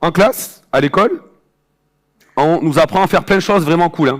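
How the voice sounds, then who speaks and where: In an animated tone, a man talks at a fairly quick pace. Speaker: motivational speaker. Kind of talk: conference talk. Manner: fast.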